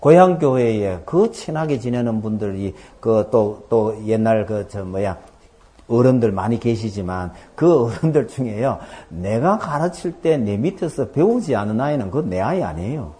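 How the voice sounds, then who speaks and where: A middle-aged man preaching a sermon as a pastor, telling stories and acting out dialogue with sudden loud outbursts. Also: on the low side, lively intonation, normal speed.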